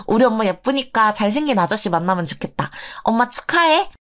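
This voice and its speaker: A woman's voice: a little high, expressive, fairly quick. A woman voicing a cheerful teenage son and daughter who tease and encourage their mother. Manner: bright, cheeky and encouraging.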